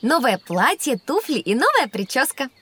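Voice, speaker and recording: A woman's voice: high voice, very animated, moderate pace, a bit bright, slightly rough, heavily acted. A woman voicing a curious, neat young girl who asks questions in an inquisitive, prim way.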